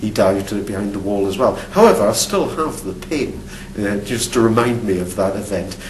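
A man's voice: lowish voice, expressive, moderate pace. A man in his fifties from Newcastle with a Geordie accent, an archaeology professor answering interview questions to camera in a thoughtful way, often restarting and repeating words. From Newcastle upon Tyne, England. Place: studio with dark backdrop. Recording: roomy, distant mic, faint hum.

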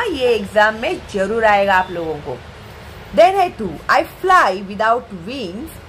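A young adult woman, teaching a children's English lesson in a lively, coaxing way, reading riddles slowly and then explaining them. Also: a little high, slight background noise.

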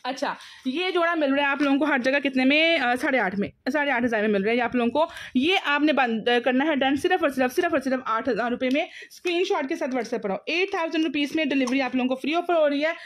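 A woman with a high-pitched voice and a Pakistani accent sells clothing live. Her delivery is an overeager teleshopping pitch, exclamatory and repetitive, pushing listeners to order. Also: fast talker, hardly any pauses. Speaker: live online clothing seller.

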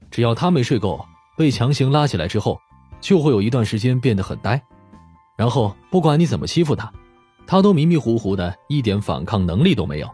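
An audiobook narrator reads scripted fiction in a husky-grained male voice whose pitch moves a lot, with soft music playing behind him.

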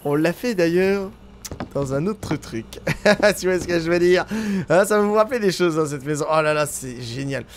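A man giving chatty, excitable let's-play commentary and laughing often over game music. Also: on the high side, moderate pace, a little hiss or hum. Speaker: gaming youtuber. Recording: game music playing behind.

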